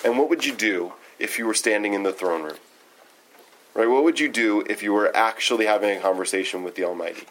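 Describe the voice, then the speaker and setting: A man's voice: on the low side, fairly quick, fairly bright tone, rough recording. A man leading a text study, giving an informal, thoughtful lecture and often checking in with his listeners.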